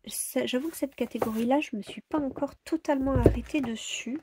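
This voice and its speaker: A woman's voice: sits high, fairly quick, heavy background noise. A woman chatting casually about her coloring plans, hesitant, with many fillers and repeated words. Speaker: coloring vlogger.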